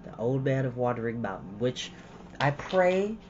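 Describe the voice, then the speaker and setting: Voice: mid-range voice, sing-song, moderate pace, a little mellow, slight background noise. Chatty storytime host, muffled lo-fi sound. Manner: chatty, informal, rambling asides. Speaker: host of a storytime livestream, reading a novel aloud. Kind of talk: casual livestream chat and storybook reading. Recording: dull lo-fi audio with background music. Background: ambient background music.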